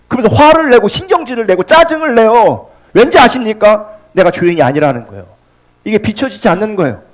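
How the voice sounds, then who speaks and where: Male pastor, high voice, wildly swooping delivery, passionate sermon, loud peaks and hushed drops. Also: very animated, fairly quick. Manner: impassioned preaching, swinging from loud peaks to hushed lines.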